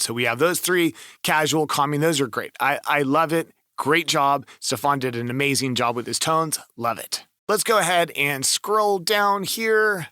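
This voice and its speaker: A man's voice: mid-range voice, sharp tone, no room sound, clean studio sound. A man giving enthusiastic, emphatic advice as a voice-over coach in a casual screen-share review.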